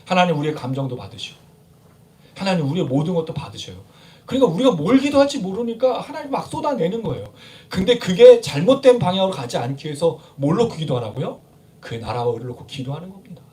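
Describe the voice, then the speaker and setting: A male pastor preaches in a church with a high voice, heard from a bit away from the mic. He keeps asking the congregation questions and slips into little acted-out prayers and scoldings. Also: sing-song, fast, mellow, recorded from a distance. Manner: conversational preaching with rhetorical questions; acts out quoted prayers and scoldings. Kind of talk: sermon. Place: church sanctuary.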